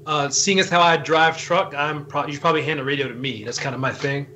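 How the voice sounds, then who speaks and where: A man's voice: on the high side, fairly even intonation, quick pace, sharp tone, a little hiss or hum. A man playing a tabletop roleplaying game, joking goofily in character. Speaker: player.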